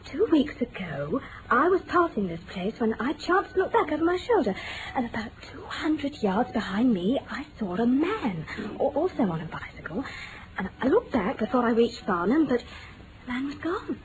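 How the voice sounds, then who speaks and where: A woman's voice: a little high, big pitch swings, normal speed. An actress playing a genteel, anxious young Englishwoman in a vintage radio drama, telling things with hesitant, dramatic phrasing. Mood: earnest, uneasy. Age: young adult. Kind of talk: 1940s radio drama acting. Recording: noisy vintage radio broadcast.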